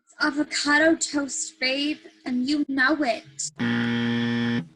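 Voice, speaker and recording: A woman performs a whiny, fed-up young wife in a comedy sketch. Her voice is very high and swoops about, slow with indignation. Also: huge pitch swings, bright, forceful tone, exaggerated voice, low-quality recording. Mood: annoyed. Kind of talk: comedy sketch staged reading.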